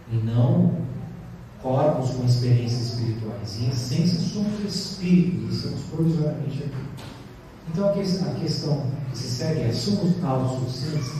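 A man's voice: mid-range voice, mellow, slight background noise. Man, 30s, Brazilian accent, spiritist lecture, rhetorical questions, heard from far off, long reverb. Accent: Brazilian Portuguese. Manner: rhetorical questions, emphatic, gesturing with a paper in hand. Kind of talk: sermon-like lecture. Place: large hall with bare brick wall, indoors. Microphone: stand mic at chest height. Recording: distant echoey hall recording.

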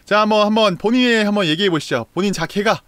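A man's voice: sits high, fast, a bit bright, no room sound. A young man in his twenties hosting a casual streamed talk show, playful and teasing, often laughing. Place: small bedroom, indoors.

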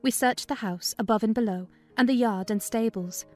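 A woman narrating a dramatized audiobook in a measured, literary storytelling manner. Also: fairly high pitch, faint music behind.

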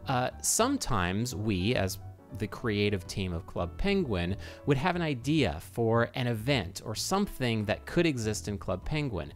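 Lively low-pitched man explaining casually. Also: unhurried, soft background music. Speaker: video host and game music composer. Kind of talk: casual explanatory talk to camera. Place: small indoor home studio room. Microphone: microphone on a stand close in front.

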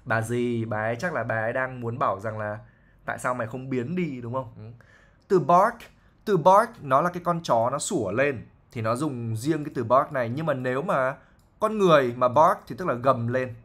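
A man's voice: mid-range voice, normal speed, a bit bright. A man, an English teacher patiently explaining a novel line by line, with fillers and frequent checks for understanding.

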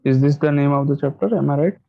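Fast and fairly high-pitched with vocal fry, this South Asian-accented maths teacher runs an online lesson for pupils. He switches between Hindi and English and checks in with quick questions, heard through dull, lo-fi video-call audio.

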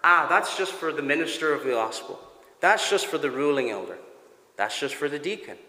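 A male pastor preaching a sermon deliberately and emphatically, posing rhetorical questions and pausing on repeated phrases. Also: fairly high pitch, expressive, pushed and bright. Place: church, preaching from a pulpit. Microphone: gooseneck pulpit microphone. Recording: echoey church hall with long reverb.

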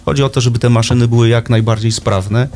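A man's voice: medium pitch, steady tone, fast, a little mellow, soft background music. A man taking part as a guest in a radio interview, listing points hesitantly with many fillers. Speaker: guest official. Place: radio studio.

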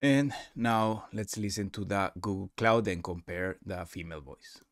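Low-voiced man explaining software. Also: dry recording, clean studio sound. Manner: halting, explanatory. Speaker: software demonstrator. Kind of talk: unscripted screen-recording tutorial narration.

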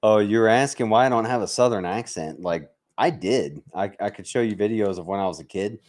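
His voice sits on the low side, fairly quick and darkish in tone. The Mississippi veteran hosts a livestream and chats casually with viewers, bantering and joking with blunt, sweary language.

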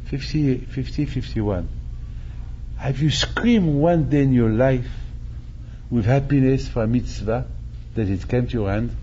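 Older man delivering a slow, dark-toned sermon. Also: mid-range voice, highs cut off, a little hiss or hum. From Morocco. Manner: animated, gesturing, repeats phrases and acts out quotes. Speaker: rabbi. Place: synagogue hall, indoors. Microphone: stand mic at chest.

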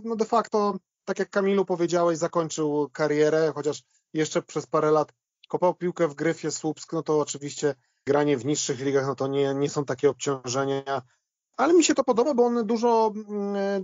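A man in a conversational sports retrospective, speaking in a halting way as he thinks aloud. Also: fairly high pitch, darkish tone, no room sound, dull audio.

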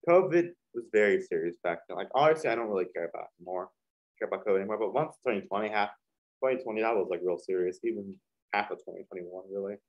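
A man's voice: fairly low pitch, racing. A young man hosting a reaction video, chatting casually and rambling with lots of fillers in a small hot studio with a fan running. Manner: rambling, full of fillers and restarts. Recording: dull lo-fi sound.

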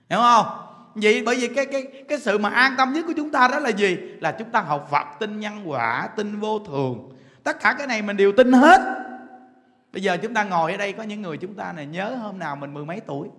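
Southern Vietnamese monk-teacher, man, very high voice, playful sermon in an echoing temple hall. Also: pushed and bright. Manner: chatty, laughs often, keeps asking "understand?". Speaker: Buddhist Dharma teacher. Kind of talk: lively sermon to a congregation. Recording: long hall reverb.

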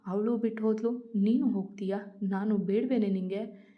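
A woman voicing a young man who shouts at his family and then pleads tenderly with his grandmother, in a storybook reading. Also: medium pitch, fairly even intonation, moderate pace, lightly acted. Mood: pleading. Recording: dull lo-fi recording.

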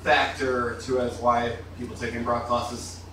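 A man's voice: medium pitch, little pitch movement, a little slow, fairly bright tone, slight background noise. Echoey distant man explaining improv. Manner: opinionated, explaining. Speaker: podcast co-guest, improv comic. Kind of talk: casual chat. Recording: distant, very echoey room mic.

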